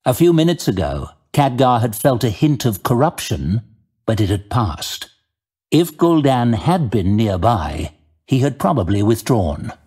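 A man giving dramatic, theatrical scripted narration of a fantasy story, in a measured way. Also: medium pitch, big pitch swings, a little mellow, husky.

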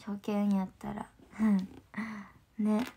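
A woman with a Kansai accent chatting casually on a livestream, reading viewer comments, laughing often and slipping into soft whispers. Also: medium pitch, level tone, slow, vocal fry, slight background noise. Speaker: idol group trainee hosting a livestream.

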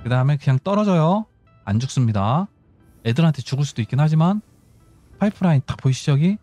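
A man walks through building a factory in a game, his voice mellow and dark in tone yet pitched a little high. His delivery rises and falls a lot as he explains each step. Soft music plays underneath. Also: animated, quick pace. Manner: instructive, talks himself through building steps. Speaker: gaming YouTuber. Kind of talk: game commentary.

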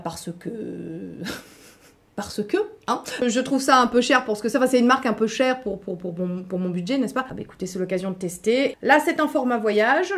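A middle-aged woman chatting casually as a beauty vlogger unboxing products, talking to her viewers with frequent fillers and restarts. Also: a little high. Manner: playful asides to viewers.

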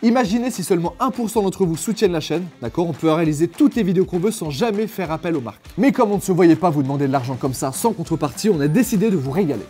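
Fast-talking joking male host. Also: fairly high pitch, animated, dark tone, slightly rough, soft background music. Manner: playful teasing, quick banter. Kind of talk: casual joking chat. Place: small room at a table.

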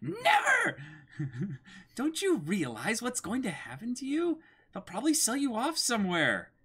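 Guy doing a sly young woman thief, greedy n coaxing, high bright voice. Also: wildly swooping pitch, measured pace, slightly rough, heavily acted. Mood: scornful, teasing. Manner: high-pitched pretence, coaxing, stammering when pressed.

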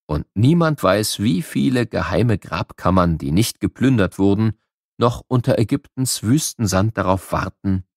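Male narrator with lively intonation. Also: on the low side, dry recording, clean studio sound. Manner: measured, clearly explanatory. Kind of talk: scripted educational narration for children.

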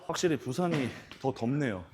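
A man's voice: mid-range voice, lively intonation, moderate pace, a little mellow, slight background noise. A male bodybuilder and channel host chatting politely between sets at the gym, asking questions and chuckling often.

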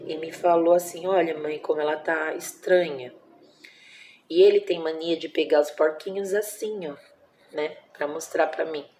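Brazilian woman, 40s, home vlogger; low, dark tone, tender and emotional storytelling. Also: slight background noise. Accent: Brazilian Portuguese. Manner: emotional, tender, uses many diminutives and fillers like "né". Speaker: vlogger, mother. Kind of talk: casual personal vlog storytelling.

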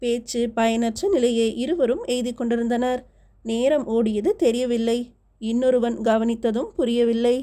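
Mellow-voiced woman narrating a novel. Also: fairly high pitch. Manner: steady, measured storytelling. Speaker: audiobook narrator. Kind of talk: scripted narration of a historical novel.

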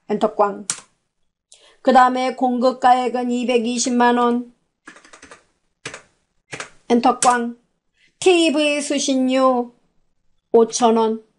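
High-voiced woman teaching spreadsheets. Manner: chatty, asks and answers her own questions. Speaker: computer instructor. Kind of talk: spoken software tutorial.

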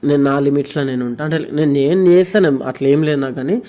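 Fast-talking young Telangana man vlogging. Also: on the high side, dark tone. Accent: Telangana Telugu. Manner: earnest, insistent, repeats himself. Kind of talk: emotional on-camera conversation.

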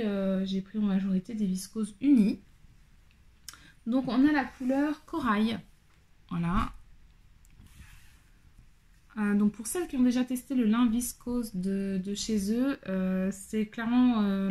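A woman's voice: medium pitch, a little mellow. A woman casually chatting through a fabric haul for her sewing channel, talking loosely with lots of fillers. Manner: chatty, many fillers, handling and showing fabric. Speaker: sewing vlogger.

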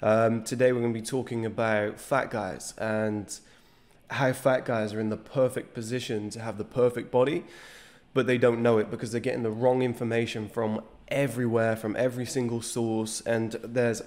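A man's voice: mid-range voice, flat delivery, moderate pace, a little mellow. A man in his thirties, a fitness channel host, talking to camera with a nasal voice from a cold, earnest and gesturing as he explains. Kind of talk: direct-to-camera talk. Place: small indoor studio room. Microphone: studio microphone on a desk stand.

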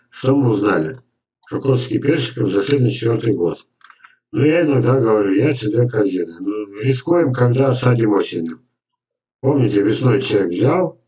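An older man with a fairly low voice hosts an informal webinar. He talks in a folksy, colloquial, rambling manner. The recording picks him up from a little distance, off the microphone. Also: warm tone. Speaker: host of a gardening webinar. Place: indoors, dim room at a computer.

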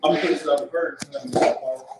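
A young man talks quickly in a slightly high voice while cooking in his home kitchen. He walks through each step as he goes, picked up by a phone on the counter. It sounds like an easy, unscripted cooking chat. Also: steady tone, heavy background noise. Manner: explains each step as he works. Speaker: host cooking on a ministry call. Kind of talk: casual cooking walkthrough.

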